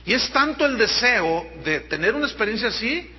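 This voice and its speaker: A man's voice: very high voice, big pitch swings, husky, highs cut off. A man with a Mexican accent, a pastor preaching a sermon in a church auditorium, emphatic and drawing out key words. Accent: Mexican Spanish. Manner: emphatic preaching, drawn-out stresses, mimics people.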